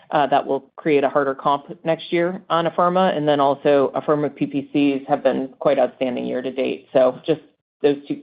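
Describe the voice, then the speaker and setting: A man's voice: medium pitch, creaky. A man speaking as a company executive, adding a careful note on an earnings call. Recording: tinny phone-like conference call audio.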